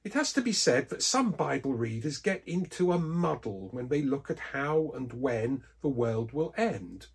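A man giving a scripted devotional Bible talk, telling a story with lively emphasis on key words. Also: mid-range voice, unhurried, gravelly, hardly any pauses, breathy edge.

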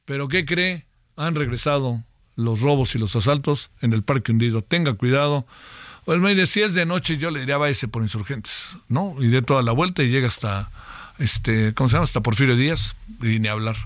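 A man's voice: medium pitch, moderate pace, a bit bright, dry recording. A man with a Mexico City accent hosting a news show, chatting casually and folksily with his listeners and posing questions to them. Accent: Mexico City Spanish. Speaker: radio news host.

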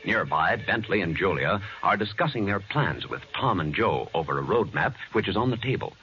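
A man's voice: deep voice, very animated, a little fast, pushed and bright, a little hiss or hum. A man announcing and narrating in a formal, polished 1940s radio style. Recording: dull 1940s radio recording with music.

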